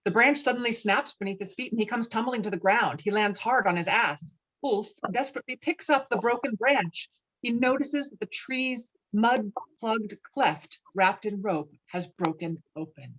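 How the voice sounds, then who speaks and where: A woman's voice: medium pitch, normal speed, a bit bright. A woman narrating the stage directions of a screenplay in an online table read, with muffled lo-fi sound. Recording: muffled lo-fi video call audio.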